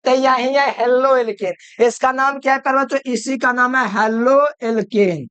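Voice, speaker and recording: A man's voice: extremely high pitch, fairly bright tone, clean tone, no room sound. A man teaching chemistry in a lecture, often calling students dear children and answering his own questions. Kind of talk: classroom lecture.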